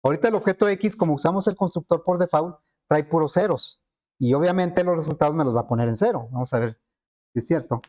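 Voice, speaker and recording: Man teaching coding, slightly high voice. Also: fast talker, darkish tone. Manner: thinks aloud with frequent fillers and checks with students. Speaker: programming teacher. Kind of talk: screen-recorded coding lesson.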